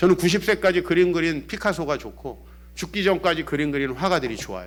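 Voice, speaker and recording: Over a silent background in a very clean recording, a man talks very fast in a high voice with ordinary pitch variation. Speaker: pastor. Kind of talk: sermon. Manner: animated, conversational.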